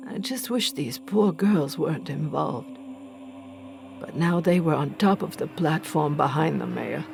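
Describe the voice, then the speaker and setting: A woman playing an accused village healer, bitter and defiant, narrating a horror audio drama gravely and deliberately in a creaky voice. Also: low voice, expressive, full character voice. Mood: weary, regretful. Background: faint music.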